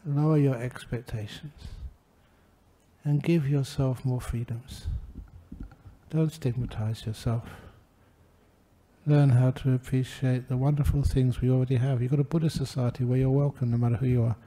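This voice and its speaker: Gentle older monk with a very dark voice. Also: male voice, medium pitch, steady tone. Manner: gentle, humorous, unhurried. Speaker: Buddhist monk giving a dharma talk. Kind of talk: relaxed dharma talk with anecdotes.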